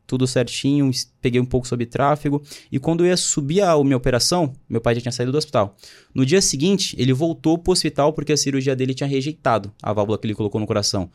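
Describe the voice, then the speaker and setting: Fast-talking young man telling his story. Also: mid-range voice. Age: 20s. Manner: slangy storytelling, quotes others' words. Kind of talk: casual chat.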